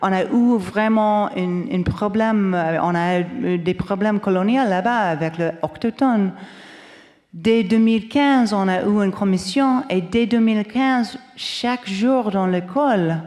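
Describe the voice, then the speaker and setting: Canadian woman, slow halting panel talk, lots of restarts, hall reverb. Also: medium pitch, darkish tone. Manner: halting, searching for words, many restarts. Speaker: journalist panelist. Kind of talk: round-table remarks. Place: lecture hall.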